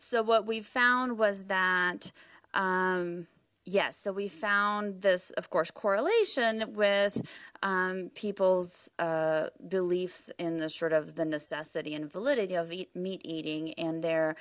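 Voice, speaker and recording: A woman's voice: fairly low pitch, steady tone, unhurried, fairly bright tone, no echo, studio quality. A woman researcher giving conversational, explanatory interview answers, informal and peppered with "you know" and "right".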